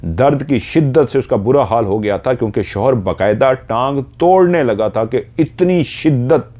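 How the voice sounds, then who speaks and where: A man narrating a horror story dramatically, rising in pitch and loudness at tense moments, on a dull lo-fi recording. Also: animated, normal speed.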